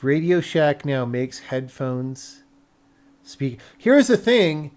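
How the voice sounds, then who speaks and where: A man's voice: on the high side, very animated, slow pace, a little mellow. An American man chatting casually on a livestream, explaining tech and thinking aloud in an informal, rambling way. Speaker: live streamer.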